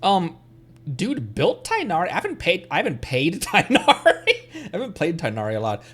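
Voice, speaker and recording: A man's voice: high voice, huge pitch swings, moderate pace, fairly bright tone, slightly rough. A young adult man streaming a game, giving casual, rambling commentary with frequent giggles.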